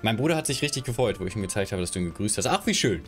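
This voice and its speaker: A man's voice: fairly low pitch, expressive, rapid-fire, faint music behind. A young man streaming from his room on a headset mic, chatting loosely with his viewers while he moves his camera and gear around. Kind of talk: casual live stream chat. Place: home room, indoors.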